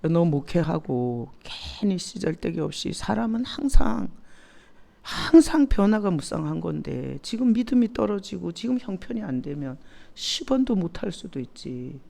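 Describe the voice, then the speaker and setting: A woman's voice: fairly low pitch, sing-song, moderate pace, creaky, warm tone. A middle-aged woman pastor leading a Bible study in a conversational, candid way, often asking the group questions and laughing.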